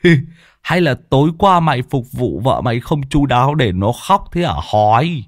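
A man's voice: moderate pace, dry recording, studio quality. A man voicing a rowdy, scarred old man who taunts and jokes crudely. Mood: teasing. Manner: shrill, taunting, excitable.

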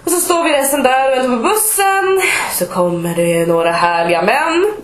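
A woman, co-hosting a podcast and telling stories in casual chat. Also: high-pitched. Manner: chatty storytelling, animated retelling. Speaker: podcast co-host. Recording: echoey room.

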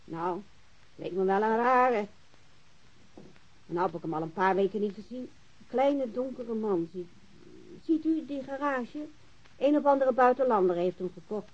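Dull recording, husky female witness, hesitant, gossipy, suspicious, radio crime drama. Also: on the high side, lively intonation, a little mellow. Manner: halting, hesitant. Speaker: actor.

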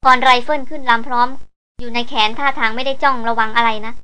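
A woman narrating a novel in a high, bright voice that sits well above most women's. She moves through the text at a fast clip, with an even, steady storytelling read. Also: clean tone. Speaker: audiobook reader. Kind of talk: scripted narration of an adventure novel.

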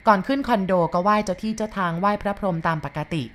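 A woman retelling a listener's ghost story in a casual, chatty way, with polite particles and lively quoted lines. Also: mid-range voice, fast talker.

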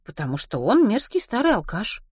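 A woman's voice: on the high side, expressive, a little fast, dry recording, clean studio sound, pitched above the performer's own voice. A woman voicing a frank, level-headed young woman with a direct, reasonable manner in an audiobook story.

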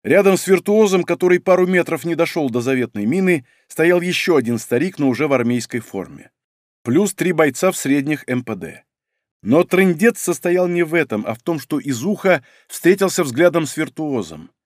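A man narrating an action audiobook in a steady storytelling manner, with coarse slang mixed in. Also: on the high side, moderate pace, no echo, clean studio sound.

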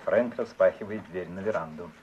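A man's voice: low voice, normal speed, highs cut off. A man giving scripted narration of stage directions for a radio play. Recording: noisy 1950s radio recording.

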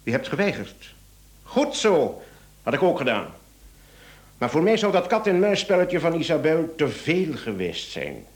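Probing police inspector, swooping pitch. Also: male voice, very animated, a little slow. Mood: insinuating, sardonic. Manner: theatrical, probing, sardonic. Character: shrewd, insinuating male police inspector confronting suspects. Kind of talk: Dutch-language radio drama acting.

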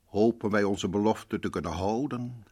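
An actor playing a sinister, theatrical host in black, narrating a radio horror series in an ominous, deliberate way. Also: male voice, fairly low pitch, very noisy, natural voice. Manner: ominous, deliberate, sometimes sinking to hushed tones. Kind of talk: dramatic scripted radio narration.

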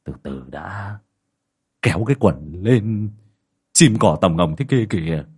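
A man voicing a gruff young ghost-hunter who speaks curtly and bosses people around. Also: sits low, lively intonation, unhurried, darkish tone, heavily acted. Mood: dry scolding. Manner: curt, barking orders.

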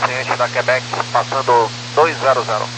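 A man's voice: mid-range voice, steady tone, normal speed. A man speaking as a pilot, giving clipped readbacks over aviation radio. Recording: noisy humming cockpit radio.

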